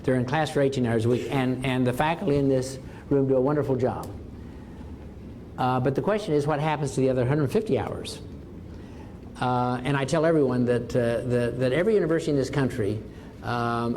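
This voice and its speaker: A man's voice: medium pitch, a little mellow, a little hiss or hum. An older man, a university president, giving a formal speech and then answering audience questions, stressing points by repeating phrases. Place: auditorium with an audience.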